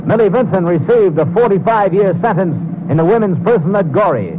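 Old radio announcer guy, high formal voice, noisy recording. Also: expressive, fairly quick, dull audio. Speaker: radio announcer reading verdicts.

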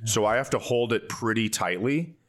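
A man's voice: lowish voice, normal speed. A man hosting a comedy podcast, bantering casually in a playful, joking and crude way. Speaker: podcast host.

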